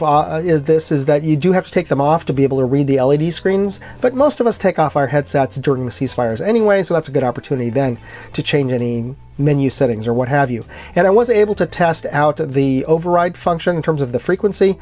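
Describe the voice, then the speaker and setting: Man with a higher-pitched voice reviewing gear. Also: a little mellow. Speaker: product reviewer and channel host. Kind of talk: casual product review with hands-on demonstration.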